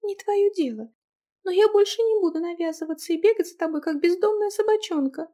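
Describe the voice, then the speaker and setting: A woman voicing a hot-tempered, stubborn young woman who shouts her lines shrilly in an audiobook. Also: very high voice, fairly quick, pitched above the performer's own voice. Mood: angry.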